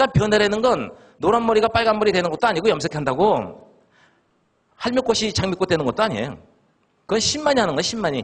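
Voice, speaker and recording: Very fast yet broken by long, frequent pauses, a man's high-pitched voice carries lively intonation at a very even loudness. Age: 60s. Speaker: motivational speaker. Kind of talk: seminar talk.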